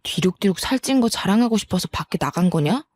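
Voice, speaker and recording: A woman's voice: mid-range voice, expressive, fast talker, darkish tone, no room sound, studio quality, close to an everyday voice. A woman voicing a cold, irritated young husband who speaks curtly and with scorn on the phone. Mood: scornful. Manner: curt, scornful.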